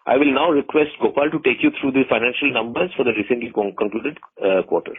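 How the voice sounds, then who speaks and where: A man with an Indian accent reads formal corporate remarks as a company executive, measured but now and then stumbling over words. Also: mid-range voice, husky. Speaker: company executive presenting quarterly results and outlook. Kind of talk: formal prepared corporate remarks, read from script. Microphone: telephone conference call. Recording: muffled tinny conference phone line.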